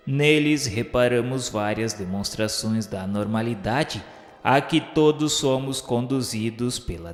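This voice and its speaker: An actor playing an earnest spirit pupil who recounts a journey in formal, literary radio drama narration. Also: male voice, mid-range voice, natural voice. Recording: echoey hall reverb, music behind.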